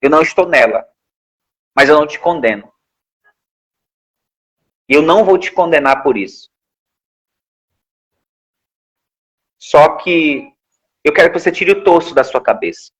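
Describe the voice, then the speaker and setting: A man voicing a slow, tender God. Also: fairly high pitch, expressive, a bit bright, pitched below the performer's own voice, rough recording. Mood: gentle. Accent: Brazilian Portuguese. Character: gentle loving God speaking to a man.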